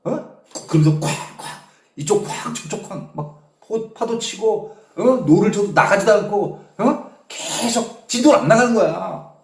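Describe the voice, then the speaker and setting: Male pastor, lively swooping delivery, fairly high voice, sermon, echoey room. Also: a little slow. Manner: animated storytelling, constant "eh?" prompts to the audience.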